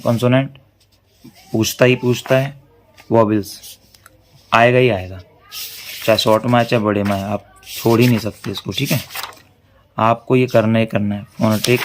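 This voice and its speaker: A chatty male tutor runs through exam topics in a casual lesson, reassuring and repeating himself as he goes. His voice sits at an ordinary middle pitch. Steady noise and page-shuffling sit clearly under the recording. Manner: chatty, reassuring, repeats "theek hai" while flipping pages.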